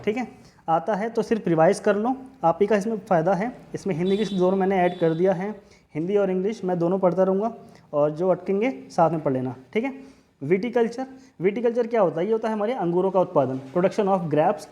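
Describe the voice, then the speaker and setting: Mellow-voiced man running an exam revision lesson. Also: high voice, fairly quick, dull audio. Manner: casual, repeats "theek hai", mixes English terms. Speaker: quiz teacher.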